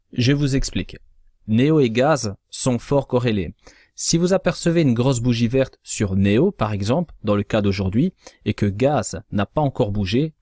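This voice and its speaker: A man giving a measured, cautionary voice-over that walks through trading charts. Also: mid-range voice, a little mellow, dry recording, studio quality. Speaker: crypto trading analyst. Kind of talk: scripted chart analysis voice-over.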